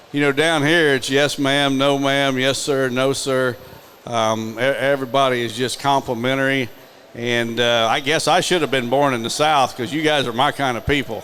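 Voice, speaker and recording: A man speaks at a moderate pace with an American accent and a medium pitch. His intonation is fairly even, and there is noticeable background noise. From US North. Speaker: podcast host. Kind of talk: live podcast before audience. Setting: live event with audience. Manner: halting.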